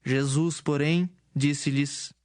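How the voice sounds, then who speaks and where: Higher-pitched male Bible narrator. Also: fairly even intonation, takes it slowly, darkish tone, no echo, clean studio sound. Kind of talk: scripted dramatic Bible narration.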